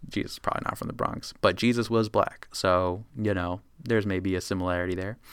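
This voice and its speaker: In a very clean recording with a silent background, a man talks at a fairly quick pace in a bright, sharp tone with fairly even intonation. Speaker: podcast host. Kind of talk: solo monologue commentary. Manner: fast; casual with fillers.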